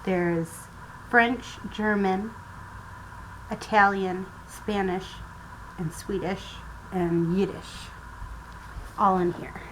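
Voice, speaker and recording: A woman's voice: medium pitch, steady tone. A woman narrating a casual craft tutorial, thinking aloud as she works at a table at home, her voice sometimes turning away from the camera mic. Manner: slow, thinking aloud while working. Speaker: craft vlogger. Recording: audible background noise.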